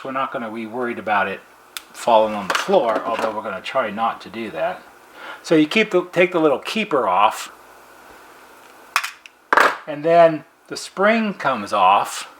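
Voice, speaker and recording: A man's voice: mid-range voice, a bit bright, slight background noise. A man presenting a casual hands-on repair demonstration as a technician, explaining things in a plain-spoken, methodical way.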